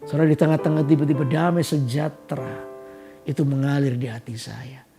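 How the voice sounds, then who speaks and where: A man preaching a sermon as a pastor, telling a story with lively swings between loud emphasis and soft murmurs. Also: medium pitch, fairly quick, creaky. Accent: Indonesian. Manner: animated storytelling, drops to soft murmurs when quoting. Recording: guitar music behind.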